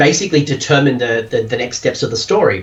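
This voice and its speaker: Someone speaks at a fairly quick pace with ordinary pitch variation amid noticeable background noise. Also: man. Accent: Australian. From Australia. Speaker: wargaming youtuber and coach. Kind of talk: casual chat. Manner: hesitant, many fillers and repeats.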